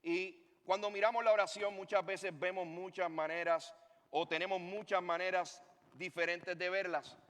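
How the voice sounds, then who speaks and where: A pastor preaching a sermon, a man with a high, bright voice. He tells his story with lively swings and asides to the congregation. His voice rings out in a hall with a long reverb. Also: moderate pace. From Puerto Rico.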